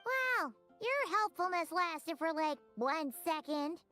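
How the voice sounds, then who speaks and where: A squeaky little childlike sidekick from a game, teasing and chirpy. Her very high voice bounces wildly up and down in pitch. There is soft music underneath. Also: lively intonation, takes it slowly, full character voice. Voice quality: squeaky, sing-song.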